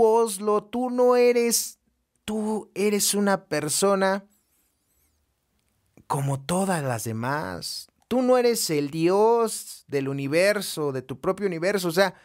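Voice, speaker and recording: Guy giving an aa recovery talk, slow and preachy, voice swings all over. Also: high-pitched. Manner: preachy, rhetorical questions, Mexican slang. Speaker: AA speaker.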